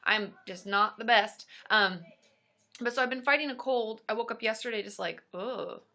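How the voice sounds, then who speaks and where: A bright, fairly high-voiced woman chatting on a livestream. She sounds stuffed up and tired from a cold. She keeps an excitable, friendly flow, greeting viewers one after another. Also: moderate pace. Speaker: therapist and livestream host. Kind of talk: casual livestream chat.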